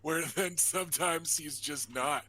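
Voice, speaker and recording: A man's voice: on the high side, a little slow, sharp tone. A man playing in a tabletop game, chatting and joking as he explains his character choices at length. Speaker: player. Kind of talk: casual chat, building a character.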